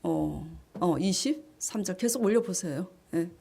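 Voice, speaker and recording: A woman pastor giving a sermon. She asks her congregation questions and answers them herself, and she reads scripture in a hushed, slower voice. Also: lively intonation, vocal fry, breathy edge. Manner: rises in pitch and volume on key phrases. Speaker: senior pastor.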